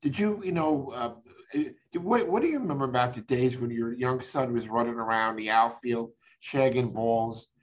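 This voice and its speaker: A man's voice: medium pitch, normal speed. A male sports interviewer asking long rambling questions with restarts. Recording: dull lo-fi sound with faint noise.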